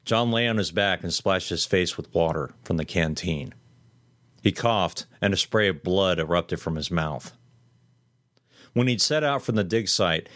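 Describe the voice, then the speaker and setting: A man reading a horror story aloud in steady, measured scripted narration. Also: sits low, no echo, studio quality.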